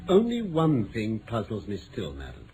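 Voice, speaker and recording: Brisk english detective, old radio drama, swoopy intonation, proper and exact, bit of hiss. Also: male voice, lowish voice, wildly swooping pitch. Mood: incisive, probing. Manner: formal, precise, declamatory. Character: brisk, authoritative English male detective, incisive and courteous. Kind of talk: British radio drama acting. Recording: vintage radio broadcast with faint noise.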